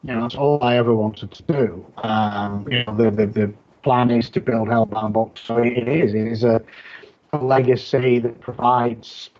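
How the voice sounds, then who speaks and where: A man's voice: mid-range voice, fairly even intonation, moderate pace, muffled recording. A man with a Yorkshire accent chatting casually as an interview guest, blunt and rambling, often restarting his sentences. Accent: Yorkshire English. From Yorkshire, England. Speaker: guest, horror author and publisher.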